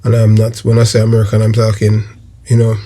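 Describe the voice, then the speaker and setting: A man's voice: lowish voice, completely flat delivery, fast talker, warm tone. Emphatic Jamaican man giving commentary. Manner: emphatic and repetitive, addresses viewers directly. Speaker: YouTube commentator and former detective. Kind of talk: political commentary monologue.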